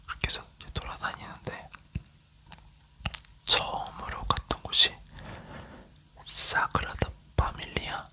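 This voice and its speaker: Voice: measured pace, long pauses, pushed and bright. An ASMR creator from South Korea leaning in to whisper, chatting casually as they tell a travel story.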